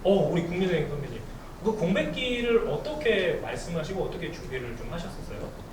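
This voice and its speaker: Lively high-voiced male host. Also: a little fast. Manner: upbeat, reads listener questions aloud. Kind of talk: hosting a talk concert. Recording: echoey event hall, distant mic, noisy.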